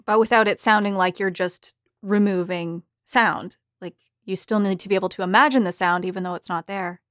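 Casual female host, medium pitch. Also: fairly even intonation, fairly quick, fairly bright tone. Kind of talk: casual roundtable hosting.

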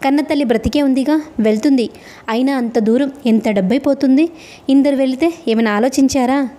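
A woman's voice: high voice, fairly quick, warm tone, close to an everyday voice. A woman voicing a harsh, domineering new stepmother in a storybook reading, with a scornful, bossy manner.

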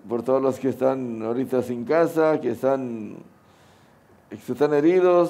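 A middle-aged man with a Mexican Spanish accent, serving as a Catholic priest, delivers a sermon and prayers at Mass. His voice is mid-range with a dark tone. He stands at an altar outdoors beneath a canopy.

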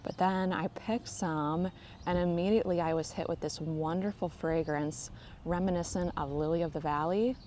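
Woman, low voice, chatty garden tour vlog, phone mic outdoors, faint ambience. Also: fairly even intonation, moderate pace, slight background noise. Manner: gentle, enthusiastic, chatty. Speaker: garden vlogger giving a tour. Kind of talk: casual walking garden tour. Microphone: handheld phone camera, filming while walking.

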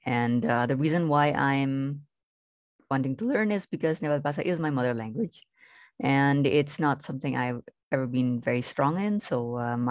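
A young woman student introducing herself on a video call, hesitant with many pauses. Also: very deep voice, a little mellow, no room sound, studio quality. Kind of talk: self-introduction.

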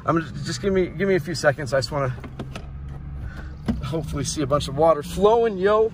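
Chatty man vlogging outdoors, higher voice. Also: animated, quick pace. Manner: chatty, affectionate toward viewers. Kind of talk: casual outdoor vlog. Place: outdoors by a creek and road. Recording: loud outdoor noise and traffic.

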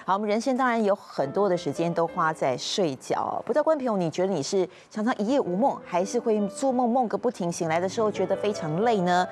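Fast-talking woman talk-show host. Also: medium pitch, expressive, darkish tone. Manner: brisk, upbeat host patter. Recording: music under the voice.

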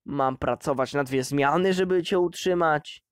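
A man voicing a drunk, bitter middle-aged miner who yells contemptuously at his son. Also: medium pitch, fairly even intonation, slow pace, clear, resonant tone, no echo, clean studio sound. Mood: drunken rage. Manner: shouting, snarling, contemptuous.

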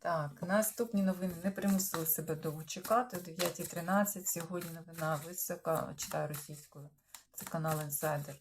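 A woman's voice: deep voice, steady tone, brisk. Musing Ukrainian woman reading tarot, noisy. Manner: musing, talks to cards and viewers, trails off. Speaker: tarot reader. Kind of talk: tarot reading on current news. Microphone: clip-on or desk microphone.

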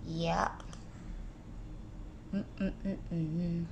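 A woman in her thirties, a yoga teacher, chatting casually and unhurriedly to her class on a live stream, with pauses. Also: fairly low pitch, level tone, vocal fry, echoey room, highs cut off, noisy background. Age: 30s.

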